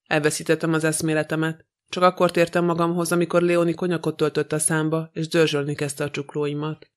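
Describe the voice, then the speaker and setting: A man's voice: fairly high pitch, flat delivery, clean tone, natural voice. A man voicing a shaken widow giving hesitant, subdued testimony to a judge in an audiobook. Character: shaken widow of a murdered millionaire.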